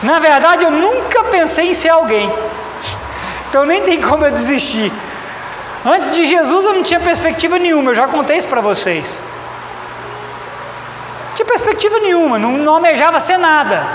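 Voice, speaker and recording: A man's voice: very high-pitched, sing-song, a little fast, long pauses. A Brazilian man preaching a sermon, speaking emphatically and repeating his points as he addresses the congregation directly. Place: reverberant church hall. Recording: echoey hall, loud background noise.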